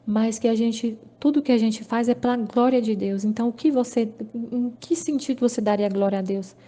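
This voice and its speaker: A woman's voice: fairly high pitch, fairly even intonation, moderate pace, dark tone. A woman with a Brazilian Portuguese accent giving an earnest, repetitive personal testimony on a Catholic channel.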